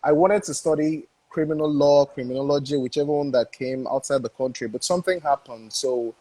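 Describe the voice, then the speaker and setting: A man's voice: fairly high pitch, fairly quick, warm tone, rough recording. A young man with a Nigerian accent, a guest film director, chatting eagerly in an interview and often repeating himself. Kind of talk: casual interview chat mixing English and Igbo.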